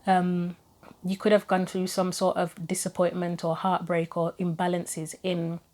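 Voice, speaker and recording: Her delivery is completely flat and unhurried, in a low-leaning, darkish voice. As host of her own channel, she talks through an informal tarot reading and weighs the possibilities aloud, while a troubled throat leaves her voice starting to give out.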